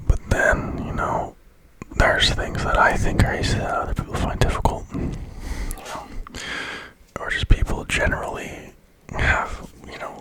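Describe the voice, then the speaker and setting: A man whispers an unscripted ASMR monologue. His breathy delivery moves loosely and with varied inflection, halting mid-thought and often repeating words as he rambles. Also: extremely high pitch, low-quality recording. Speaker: ASMR creator.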